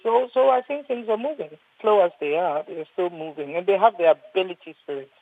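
A woman's voice: fairly low pitch, brisk. A woman in her sixties from Ghana, a doctor speaking earnestly on a panel and often repeating words as she restarts. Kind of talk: panel discussion. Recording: thin phone-like line, husky and dry.

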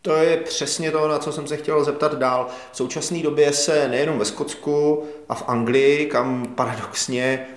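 A man's voice: fairly high pitch, fairly even intonation, hardly any pauses. Hesitant male interviewer, echoey room. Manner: hesitant questions, lots of fillers. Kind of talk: studio interview.

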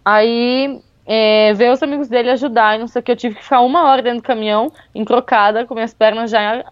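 A woman tells a travel story in a casual, chatty way, full of fillers. Her voice sits a little high. The recording is close and dry, with a slightly dull, muffled tone. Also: quick pace, dry recording. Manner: lively, with many fillers like "tipo" and "meu". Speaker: guest telling a travel story.

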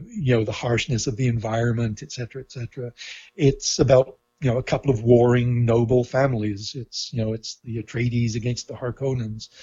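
A man from Canada gives reflective interview answers in a dark, husky voice of medium pitch. He speaks haltingly and thoughtfully, with firm opinions. The recording is slightly dull. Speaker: interviewee, film journalist. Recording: dull, lo-fi sound.

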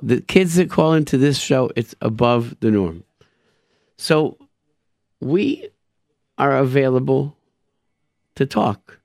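A man's voice: mid-range voice, big pitch swings, slow, vocal fry, pauses often, a little mellow, no room sound, clean studio sound. A man hosting a radio show, telling personal religious stories informally and emphatically, repeating phrases and sprinkling in Hebrew and Yiddish expressions.

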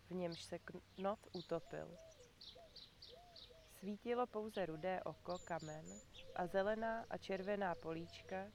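A woman reading a storybook aloud to children in a calm, measured way, in an outdoor garden. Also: fairly low pitch, slight background noise. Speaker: reader for children.

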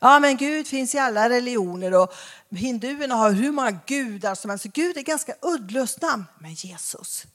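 Female Christian speaker, lively and expressive, pitched a bit high, plays out conversations in her talk. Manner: acts out dialogues with shifting voices.

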